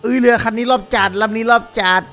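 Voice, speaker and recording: Excitable high-voiced man gaming. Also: fast talker. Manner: excitable, exclaims and laughs often, addresses viewers. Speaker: gaming YouTuber. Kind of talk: excited game commentary.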